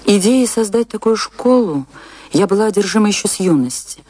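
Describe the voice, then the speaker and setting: A woman's voice: medium pitch, brisk, slightly rough. An actress playing a passionate woman dancer recounting a stormy love affair in a confessional, theatrical radio play manner. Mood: reflective. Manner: theatrical, confessional, emotionally expressive. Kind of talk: dramatic radio play monologue and dialogue.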